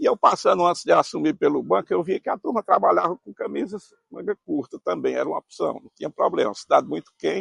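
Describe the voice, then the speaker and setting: Here a man talks at a very fast pace with hardly any pauses. The sound is dry and close, with no echo. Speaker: retired bank employee. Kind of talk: interview.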